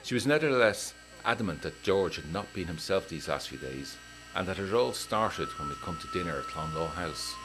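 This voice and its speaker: Deep-voiced man reading a letter. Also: animated, over music, low-quality recording. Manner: measured, formal period storytelling. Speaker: letter-writing narrator. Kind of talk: scripted narration of a letter.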